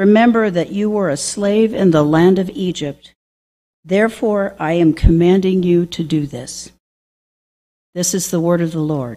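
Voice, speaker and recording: A woman speaks at a fairly low pitch. Her tone is dark and mellow. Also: ordinary pitch variation, fairly slow pace. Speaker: lay worship leader. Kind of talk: reading aloud. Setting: church. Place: church. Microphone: podium.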